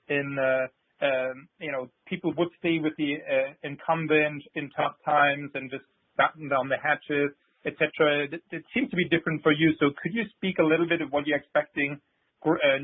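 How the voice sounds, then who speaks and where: A man asking questions as a financial analyst on an earnings call, with hesitant, stop-start phrasing. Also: on the high side. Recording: narrow tinny phone line.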